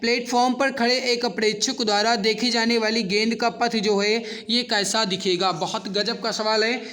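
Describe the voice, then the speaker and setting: High, bright-voiced male teacher. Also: steady tone, normal speed. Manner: instructive, addresses students directly, repeats questions and answers. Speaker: exam-prep science teacher. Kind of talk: online lesson, working through quiz questions.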